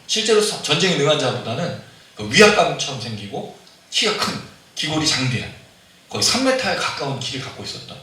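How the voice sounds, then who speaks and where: Male pastor, sermon, animated and questioning, bright voice, very echoey hall. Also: on the high side, brisk. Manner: conversational, asks the congregation questions, animated. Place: church sanctuary. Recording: very echoey hall, mic at a distance.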